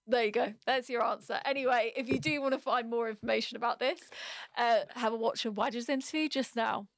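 A woman's voice: fairly high pitch, fairly even intonation, brisk, no room sound. Chatty woman radio presenter, dry sound. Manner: chatty, light, a little hesitant. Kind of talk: casual radio show chat.

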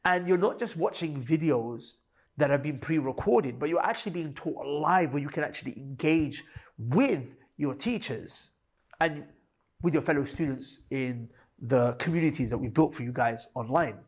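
A man reads a promotional announcement in an upbeat, persuasive way. His voice sits a little on the higher side, friendly and inviting. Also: animated, moderate pace. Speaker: promoter for an online Islamic college.

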